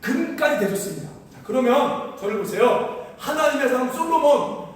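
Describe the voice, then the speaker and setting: High-voiced pastor preaching in echoey hall. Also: male voice, moderate pace. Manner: animated, asks the congregation questions. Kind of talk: sermon with storytelling. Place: church sanctuary. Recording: distant mic in echoey hall.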